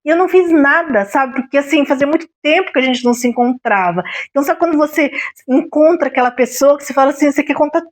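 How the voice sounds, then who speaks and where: A woman's voice: sits high, fast. A middle-aged Brazilian woman telling a personal story on her vlog in a confiding way, often checking in with her listeners. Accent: Brazilian Portuguese. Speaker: vlogger.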